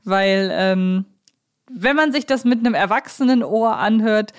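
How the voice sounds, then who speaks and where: Female podcast co-host, mid-range voice, relaxed conversational delivery for fan talk. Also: medium pitch, unhurried. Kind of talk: casual fan podcast chat.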